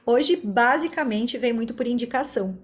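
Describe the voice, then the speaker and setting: Animated and speaking at a moderate pace, a woman with a slightly high voice and a Brazilian Portuguese accent chats freely as an interview guest. She is a speech therapist from Brazil, describing what her work involves.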